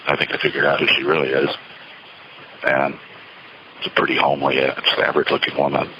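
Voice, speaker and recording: A man giving a halting, reflective, rambling monologue on a payphone call from an outdoor phone enclosure, with a slightly noisy line. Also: rumbling low, pushed and bright. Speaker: solo caller recording monologues from payphones.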